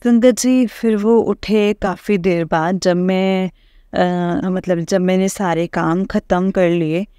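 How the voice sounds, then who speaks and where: Middle-aged woman, devotee's testimony, halting with fillers, soft mellow tone, clean smooth voice. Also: lowish voice, steady tone, no echo, studio quality. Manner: halting, with many pauses and fillers; keeps addressing her listeners respectfully. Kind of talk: personal testimony to a congregation.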